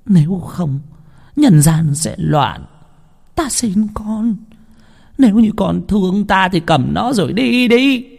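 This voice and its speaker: A man's voice: high voice, lively intonation, slow, creaky, darkish tone, pitched above the performer's own voice, full character voice. A man voicing a frail, hunched old grandmother who pleads and then shrieks in fury, in a ghost-story reading. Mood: pleading.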